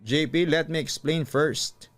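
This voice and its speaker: A man's voice: on the high side, fairly even intonation, slow pace, fairly bright tone. A man voicing a torn, pleading cheating husband in a dramatized radio story, earnest and insistent, drawing out his words. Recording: music under the voice.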